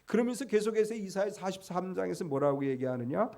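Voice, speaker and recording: A man's voice: high voice, expressive, a little fast, gravelly, darkish tone. A man preaching a sermon as pastor, quoting scripture and speaking with emphatic rises and drops.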